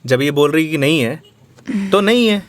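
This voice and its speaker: A man's voice: a little high, a little slow, dry recording, lightly acted. An actor playing a brash, bossy man, bullying a vendor.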